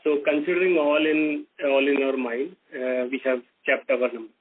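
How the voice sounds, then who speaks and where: A man, a company executive answering analysts' questions on an earnings call, in a measured, hesitant way with many fillers. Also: medium pitch, flat delivery. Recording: tinny phone line.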